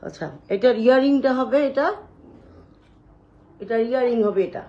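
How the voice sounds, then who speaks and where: A woman hosting a live sales stream, showing jewelry and talking loudly and chattily to her viewers. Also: on the high side, moderate pace, dull audio. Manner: loud, chatty, addresses viewers directly.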